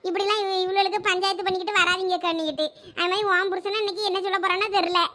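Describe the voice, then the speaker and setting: A woman's voice: extremely high pitch, steady tone, rapid-fire, pushed and bright. Woman doing a bossy grumbling village mother with a Thoothukudi accent. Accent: Thoothukudi Tamil. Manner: scolding, grumbling.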